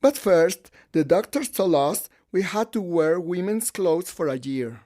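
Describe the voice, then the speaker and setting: A man's voice: sits high, lively intonation, unhurried. A man voicing an older gay Mexican hairstylist in a conversational, frank voice-over of personal memories. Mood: frank, reminiscing. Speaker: English voice-over translator of interviewee. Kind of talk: first-person dubbed storytelling.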